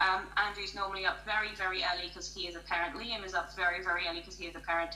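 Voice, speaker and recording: At a very fast pace, a speaker with a Hampshire accent talks over noticeable background noise. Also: woman. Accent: Hampshire accent with extra R sounds. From southern England (Hampshire). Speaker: body piercer. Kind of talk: interview.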